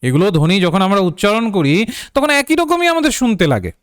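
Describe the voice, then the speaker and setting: A man teaches a live online class, his voice smooth, resonant and a little high. He explains patiently, repeats key points and checks in with the students. The sound is close and dry. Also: wildly swooping pitch, quick pace, no room sound.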